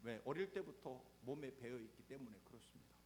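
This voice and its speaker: A middle-aged male pastor with a Chungcheong Korean accent, preaching a sermon and swinging from loud emphatic lines to soft, low endings. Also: expressive, a little fast, a little hiss or hum.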